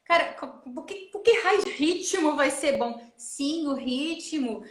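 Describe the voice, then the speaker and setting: Woman host, high voice, animated explainer, echoey room. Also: slow, a little hiss or hum. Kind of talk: casual live chat. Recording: roomy echo.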